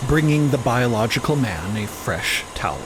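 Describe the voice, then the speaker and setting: A man's voice: mid-range voice, expressive, normal speed, noisy background. A man narrating scripted audio fiction in a dramatic storytelling style.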